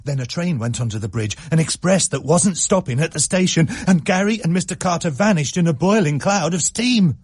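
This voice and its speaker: A man narrating a story with a lively, swinging delivery. His voice is slightly husky and close, recorded in a dry studio. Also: a little high, brisk, hardly any pauses, no room sound. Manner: expressive, animated storytelling. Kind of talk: scripted story reading.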